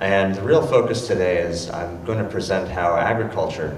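Audible room echo and light background noise surround a man's very deep, low voice. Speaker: speaker. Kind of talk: lecture. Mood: relaxed, friendly. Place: hall.

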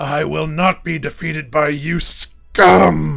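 A man puts on a character voice, raspy and menacing in tone, fairly high in pitch and delivered at a fairly slow pace. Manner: menacing, defiant roar.

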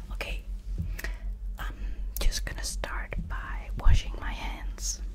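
Loud background noise runs behind speech delivered at a very slow pace. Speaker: ASMR creator. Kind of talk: ASMR cooking role talk. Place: kitchen. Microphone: lapel.

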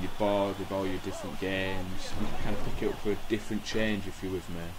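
A man talks fairly quickly, his pitch varying in an ordinary way. Background noise is clearly audible. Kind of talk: video game review commentary. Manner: hesitant, with stutters and fillers.

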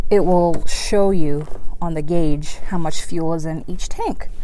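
A woman at a fairly slow pace with ordinary pitch variation, dry sound with no echo, and light background noise. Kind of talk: casual vlog chat. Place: car.

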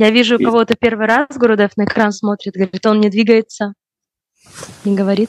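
A woman's fairly high voice, monotone and flat, at a fairly quick pace with long, frequent pauses, over a quiet background with a dry sound and no echo. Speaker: interpreter. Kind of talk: consecutive interpreting. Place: home room. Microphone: video call.

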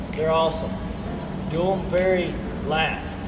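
Loud background noise sits under a man talking at a fairly slow pace. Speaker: fitness trainer. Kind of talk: tutorial. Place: gym. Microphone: camera far.

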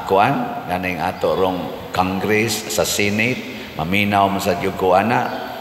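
The room echo is audible. Light background noise is present. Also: man. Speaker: priest. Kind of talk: sermon. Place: church. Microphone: podium.

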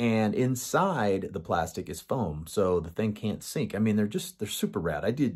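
Lively intonation runs through speech at a moderate pace with hardly any pauses. The background is quiet. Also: man, fairly low pitch for a man. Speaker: fishing guide vlogger. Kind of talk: casual vlog chat. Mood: cheerful, a bit wistful. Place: home room. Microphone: phone near.

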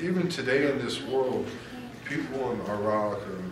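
There is audible room echo and noticeable background noise as a man speaks with ordinary pitch variation. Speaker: church member. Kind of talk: testimony. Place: church. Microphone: camera far.

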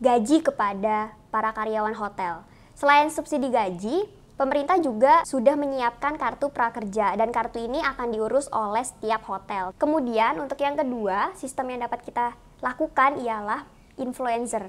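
Faint music plays in the background. Over it, a woman speaks at a high pitch. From Indonesia. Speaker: university student; presenter. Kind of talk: recorded presentation. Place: home room.

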